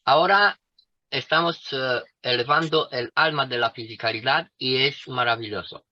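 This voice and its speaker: A man speaking slowly and deliberately on a video call, pausing often for his interpreter. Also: mid-range voice. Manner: deliberate, with pauses and fillers. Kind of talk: slow lecture-like talk, pausing for translation. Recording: dry, lo-fi video call audio.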